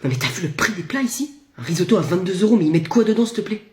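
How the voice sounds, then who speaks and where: A woman's voice: mid-range voice, expressive, racing, close to an everyday voice. A woman playing a stingy, defensive young man out on a dinner date, grumbling and petty. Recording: roomy echo.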